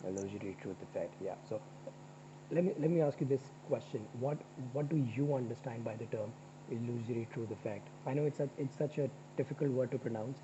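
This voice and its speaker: A man's voice: medium pitch, fairly quick. A young man from Pakistan, a university student, chatting casually and joking with his partner as he asks questions. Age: young adult. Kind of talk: casual paired discussion. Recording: dull lo-fi sound with clear insect noise.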